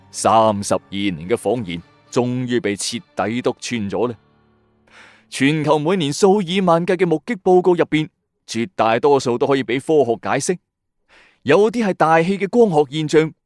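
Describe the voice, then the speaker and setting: Animated Hong Kong Cantonese male mystery narrator. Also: mid-range voice, no echo. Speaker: storytelling host of a late-night mystery show. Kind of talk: dramatic scripted documentary narration.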